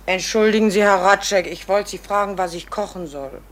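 An actress playing a caring, plain-spoken village housekeeper in a German radio drama, deferential yet gently insistent. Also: female voice, mid-range voice, fairly quick, lightly acted. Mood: timid, insistent.

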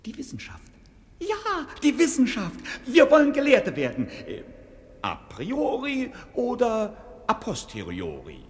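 An actor playing a mocking, cheerfully cynical court fool in a classic radio play, theatrical and impudent. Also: male voice, very high-pitched, wildly swooping pitch, measured pace, exaggerated voice. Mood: playful. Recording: noisy old radio play recording.

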